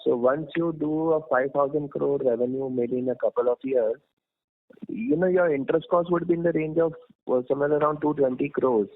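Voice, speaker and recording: A man's voice: fairly high pitch, fairly quick. Indian male analyst on a tinny phone. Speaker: analyst asking questions. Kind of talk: earnings call questioning. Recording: narrow tinny phone line.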